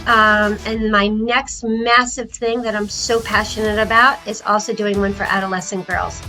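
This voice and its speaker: Woman podcast guest on a video call, bright and upbeat, faint music under. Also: mid-range voice, level tone, normal speed, poor audio. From Maryland, USA. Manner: enthusiastic, chatty with fillers. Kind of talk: casual interview chat. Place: video call from Costa Rica.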